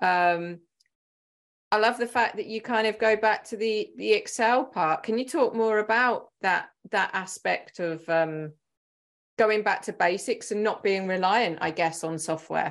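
A woman with a normal speaking voice talks at a fairly slow pace and a fairly high pitch, in a very clean recording with a silent background. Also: ordinary pitch variation. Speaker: podcast host. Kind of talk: casual interview.

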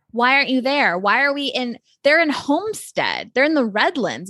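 In a slight Miami accent, the voice sounds bright and sharp at a fairly quick pace. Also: woman. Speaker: podcast co-host. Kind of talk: casual chat, comedic podcast banter.

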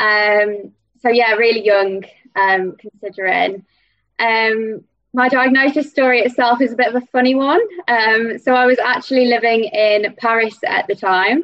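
A woman with an unremarkable speaking voice talks at a fairly high pitch, her loudness very even and her pitch varying in an ordinary way. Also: fairly slow pace. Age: 20s. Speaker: charity fundraising officer with MS. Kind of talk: interview. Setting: video call.

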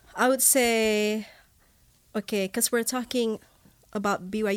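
On a very clean recording with a silent background, a woman with a Malaysian accent speaks at a fairly slow pace and fairly high pitch with ordinary pitch variation. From Malaysia, Borneo. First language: Bidayuh. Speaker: podcast co-host, student. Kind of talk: casual chat. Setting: studio.

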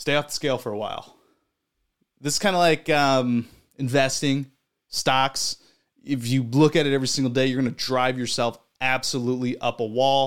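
Using a plain, everyday voice, a man talks at a moderate pace and medium pitch with fairly even intonation, on a very clean recording with a silent background. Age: 30s. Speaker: fitness YouTuber. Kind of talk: tutorial. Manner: casual, with frequent fillers and restarts.

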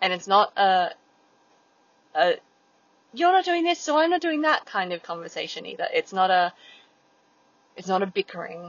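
A woman with an Australian accent at a moderate pace. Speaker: podcast host and leadership communication coach. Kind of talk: casual solo monologue. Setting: in a car.

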